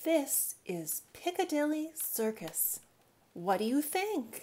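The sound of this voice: Using a put-on character voice, a woman speaks slowly, high-pitched, with a dark, mellow tone and big pitch swings.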